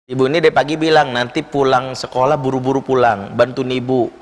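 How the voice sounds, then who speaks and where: A man's voice: medium pitch, fairly quick. Man preaching in a reverberant hall. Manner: lively storytelling, acts out quoted voices. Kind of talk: sermon with told stories. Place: large mosque hall.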